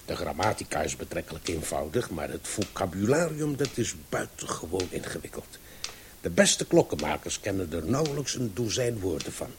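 An actor playing a pedantic, learned older uncle who lectures like a scholar in a Dutch radio play. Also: male voice, deep voice, very animated, normal speed. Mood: scholarly. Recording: hissy old radio play recording with clicks.

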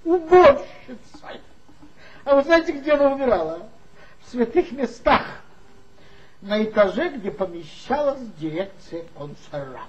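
A man's voice: very high voice, sing-song, measured pace, a little mellow, slight background noise, full character voice. Tipsy, sly gossip guy, ex-magazine worker, voice swooping all over, muffled old radio-play sound. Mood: gossipy. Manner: gossipy, mocking, confiding storyteller. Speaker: former magazine staffer. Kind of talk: 1960s stage radio play acting.

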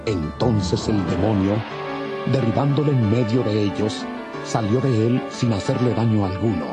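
A man narrating a dramatized audio Bible in a measured, formal way. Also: fairly low pitch, over loud music.

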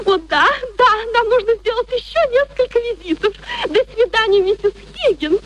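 A woman's voice: extremely high pitch, lively intonation, normal speed, muffled recording. A woman in a radio play acting an eager young society lady with a gushing, affected, brashly fashionable manner. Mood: gushing, breezy. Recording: faint noise, archive radio drama.

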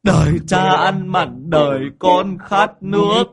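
A man voicing a wailing male ghost who begs the exorcist for help, pleading and sobbing in drawn-out words. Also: high voice, crowd noise, pitched above the performer's own voice.

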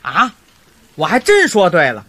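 An actor playing a sulky, teasing young grandson with a Beijing accent in a radio drama over background music. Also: male voice, sits high, huge pitch swings, measured pace, pushed and bright, dry recording, heavily acted. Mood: impatient. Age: young adult. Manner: teasing, offhand.

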